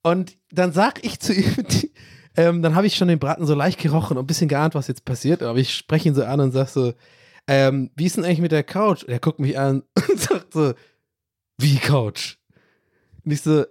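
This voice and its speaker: Animated man telling a story, dry sound. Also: fairly high pitch, fairly quick, no echo. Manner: animated, self-mocking, laughs often. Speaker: podcast co-host. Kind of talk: casual storytelling chat.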